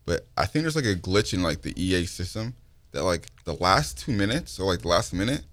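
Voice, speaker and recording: A man's voice: sits low, big pitch swings, brisk, a bit bright. A young man in a casual chat, talking like a frat bro with slang, swearing and lots of "like". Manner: slangy frat-bro talk, frequent profanity and "like". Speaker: interview guest, touring recording artist.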